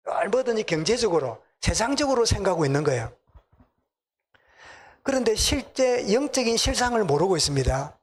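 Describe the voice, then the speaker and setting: A man's voice: sits high, sing-song, a little fast, husky. A middle-aged man with a Gyeongsang accent preaching a sermon in a church, chatting with the congregation and asking them questions. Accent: Gyeongsang Korean. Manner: conversational, asks the congregation questions. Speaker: pastor. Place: church sanctuary.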